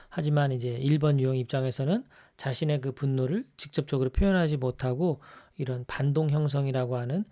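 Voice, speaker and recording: Conversational man giving a lecture. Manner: conversational, checks in with the listener often with a rising tag; acts out scolding examples in a louder, higher voice. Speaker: lecturer on personality types. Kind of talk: explanatory lecture.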